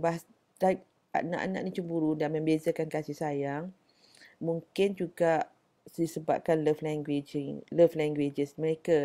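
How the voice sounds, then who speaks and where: Malaysian lady chatting about parenting, low mellow voice, drops english into her malay. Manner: mixes English into Malay, gentle advice with many fillers. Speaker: parenting talk host. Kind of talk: casual parenting talk, answering viewer questions.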